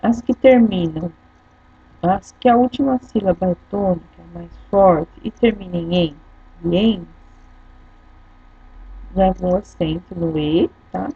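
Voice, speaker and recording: A woman's voice: on the low side, unhurried, long pauses, husky. A woman teacher with a Brazilian Portuguese accent, patiently explaining a lesson step by step and often checking in with her pupils. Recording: dull lo-fi recording.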